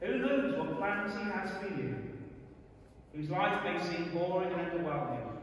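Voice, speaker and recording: Strong room echo surrounds a man's voice, with light background noise. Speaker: preacher. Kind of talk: sermon. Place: church.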